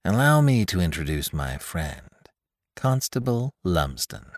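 A man's voice: deep voice, very animated, measured pace, dry recording, studio quality, heavily acted. A man doing a drunk, sneering lout. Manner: sneering, slurred. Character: drunk, sneering male troublemaker.

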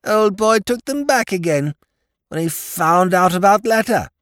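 A reader voicing a bumbling young aristocrat who talks in clipped, slow, telegraphic phrases. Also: medium pitch, animated, a bit bright, dry recording, studio quality, pitched above the performer's own voice. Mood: blustering. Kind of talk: audiobook character voice.

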